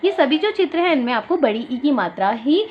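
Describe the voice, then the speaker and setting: A woman teaching an online lesson to small children. She stretches out syllables slowly and asks questions, then answers them herself. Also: high-pitched, sing-song, slight background noise. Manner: slow drawn-out syllables, asks and answers her own questions. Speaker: primary school teacher. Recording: dull lo-fi sound.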